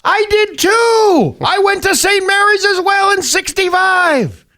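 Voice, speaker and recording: A man voicing a loud, excitable drunk Irish barfly in a radio joke. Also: extremely high pitch, takes it slowly, pitched above the performer's own voice, exaggerated voice. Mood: drunk, excited.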